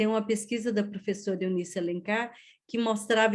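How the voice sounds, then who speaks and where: A woman is speaking with ordinary pitch variation. She has an ordinary speaking voice. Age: 60s. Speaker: professor and giftedness researcher. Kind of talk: online lecture. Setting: online talk.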